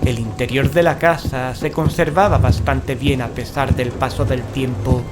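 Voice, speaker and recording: In a horror audio drama, a man acts as both narrator and character, playing a frightened paranormal investigator describing a haunted house with dramatic unease. His medium-pitched voice is steady and lightly acted, at normal speed, in an ominous narrating mood. Music plays behind him.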